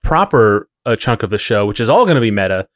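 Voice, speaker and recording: A man's voice: lowish voice, sing-song, quick pace, noisy background. A man co-hosting a podcast in casual chat, with a wry, rambling way of explaining things. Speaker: podcast co-host.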